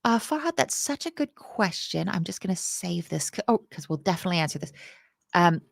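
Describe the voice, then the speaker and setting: Playful woman with a gravelly, lively voice. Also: fairly low pitch, fairly quick, dry recording, studio quality. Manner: playful, self-deprecating, chatty. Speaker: coding bootcamp teacher. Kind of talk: casual livestream lesson.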